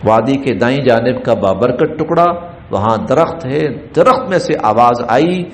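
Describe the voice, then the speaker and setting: A Pakistani man with an expressive mid-range voice teaches a Quran translation and commentary lesson, chanting Arabic phrases and explaining each one in Urdu. It was recorded in an echoey mosque room with faint background noise.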